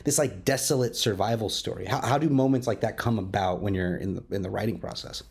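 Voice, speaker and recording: Fast and gravelly with a breathy edge, this fairly low male voice belongs to a podcast host and interviewer running a roundtable. His delivery is eager, and he keeps circling back mid-sentence to repeat or reword his points.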